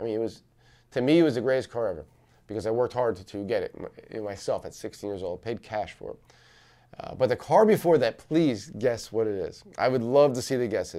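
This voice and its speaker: Fast and lively, a man's dark, mellow voice at medium pitch rushes along with big swings in loudness, captured in a very clean recording with a silent background. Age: 40s. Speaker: financial show host. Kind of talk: market commentary show. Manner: casual, many filler words.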